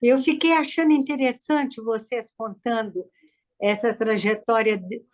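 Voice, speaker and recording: A woman's voice: on the high side, unhurried. A Brazilian woman asking and commenting in a reflective, casual conversation. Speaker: participant questioning and commenting to guests.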